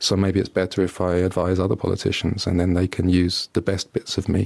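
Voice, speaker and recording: Speaking in a British accent, a man with a very deep, low pitch talks at a fairly quick pace in a monotone, flat way. His loudness stays very even, and the sound is dry and close with no echo. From Britain. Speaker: political adviser and former DJ. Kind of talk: interview.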